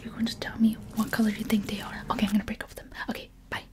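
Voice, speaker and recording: A woman's voice: on the high side, little pitch movement, very fast. A woman in her twenties whispering a chatty, playful ASMR roleplay up close to the microphone. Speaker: ASMR video creator.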